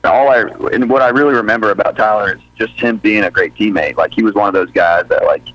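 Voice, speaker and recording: A man in his thirties, a high school football head coach from Birmingham, talking through an interview in an easygoing, rambling way with lots of fillers and restarts. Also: fast talker, a bit bright, a little hiss or hum. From Birmingham, Alabama. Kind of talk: interview on a sports radio show. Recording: dull lo-fi radio audio.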